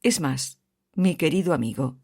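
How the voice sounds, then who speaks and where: A man's voice: a little high, expressive, normal speed, vocal fry, darkish tone, husky. A man with a Spanish accent, jumping in with theatrical, bossy comic lines. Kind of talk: comic sketch.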